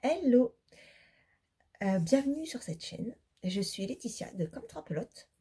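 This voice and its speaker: A woman's voice: fairly high pitch, big pitch swings, a little slow, warm tone, husky. A middle-aged woman from France chatting casually to camera in a knitting vlog, rambling with many fillers, tired and still congested after laryngitis. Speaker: knitting vlogger.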